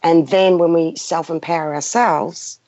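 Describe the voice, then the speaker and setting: Mellow and fairly low, her voice holds an even intonation and runs a little slow. She's a spiritual guide in her fifties from a Greek background, hosting a live session and speaking with unscripted passion, emphasizing points and repeating phrases to guide listeners. The lo-fi recording is muffled and roomy.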